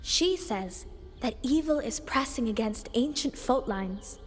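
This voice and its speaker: A woman voicing a bright, curious, bookish young girl in a video game, eager and earnest. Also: a little high, lively intonation, unhurried. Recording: long reverb, faint music behind. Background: faint game music.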